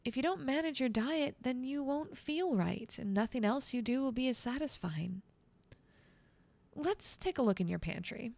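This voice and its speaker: A woman acts out a guardian angel girl in an ASMR roleplay. Her voice is fairly high and sounds very dry, with no room around it. She dotes on the listener like a mother, coaxing and mildly scolding. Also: animated, moderate pace, creaky, darkish tone, dry recording. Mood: gently scolding.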